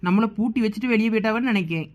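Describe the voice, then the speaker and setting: A woman in her twenties playing a calm young woman who gently soothes the family. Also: a little high, very fast, close to an everyday voice. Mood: practical.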